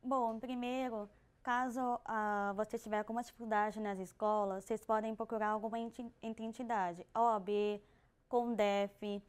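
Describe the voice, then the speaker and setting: Clear-voiced young deaf Brazilian woman. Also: medium pitch, steady tone. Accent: Brazilian Portuguese. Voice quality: deaf speaker who lip-reads. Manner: measured, explains carefully with some restarts. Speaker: guest. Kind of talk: studio talk show interview.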